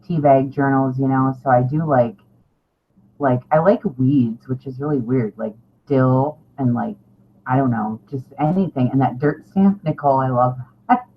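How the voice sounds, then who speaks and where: A woman's voice: extremely low pitch, normal speed. Middle-aged woman chatting, dull lo-fi recording. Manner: informal, self-deprecating, mildly salty. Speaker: craft vlogger. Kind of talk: casual rambling chat to viewers. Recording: dull lo-fi sound, clear background noise.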